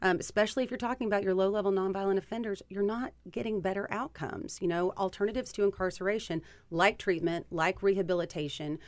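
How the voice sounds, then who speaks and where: A woman's voice: mid-range voice, fairly even intonation, quick pace, few pauses, no room sound. A middle-aged woman from Kentucky with a Kentucky accent, earnestly explaining policy figures as a guest on a talk radio show.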